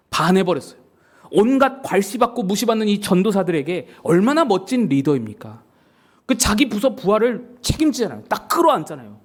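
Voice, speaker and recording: A male pastor preaching a sermon, telling stories in an animated way and acting out the people in them. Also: sits high. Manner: animated storytelling with acted quotes.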